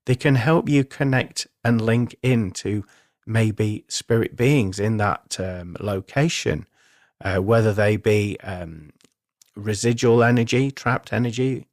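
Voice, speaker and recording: A man's voice: lowish voice, dry recording, clean studio sound. A man hosting a spiritual talk, explaining techniques in an earnest, reassuring, instructional way. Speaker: spiritual medium and radio host.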